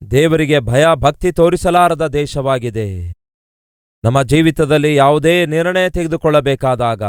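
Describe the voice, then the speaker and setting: A male pastor preaches a devotional sermon with a smooth, resonant voice, pitched a little higher than most men. He drives his points home with repeated parallel phrases and direct appeals to his listeners. The recording is close and dry, with almost no room sound. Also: no room sound.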